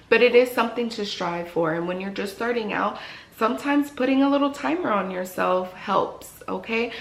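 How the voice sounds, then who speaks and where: A woman's voice: medium pitch, vocal fry. A woman who works as a dental hygienist, giving casual, encouraging advice and repeating phrases for emphasis. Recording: echoey room with faint noise.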